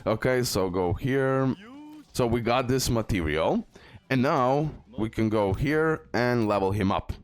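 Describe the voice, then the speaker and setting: A man's voice: medium pitch, measured pace. A man who speaks English as a second language gives a casual, instructive mobile game tutorial, repeating and stressing his key tips. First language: not English. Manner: instructive, repetitive, emphatic about key tips. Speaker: gaming video creator and guide.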